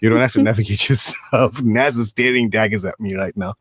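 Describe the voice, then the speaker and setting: A man's voice: fairly low pitch, steady tone, fairly quick, fairly bright tone, slight background noise. A man hosting a breakfast radio show in the studio, teasing and laughing through joking banter. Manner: playful, teasing, laughs often. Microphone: studio microphone.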